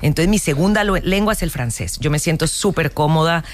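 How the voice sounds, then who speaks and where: A Colombian woman in her forties, an actress speaking casually in an interview, telling her story in a lively way with frequent restarts and long lists. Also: low voice, a little fast. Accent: Colombian Spanish.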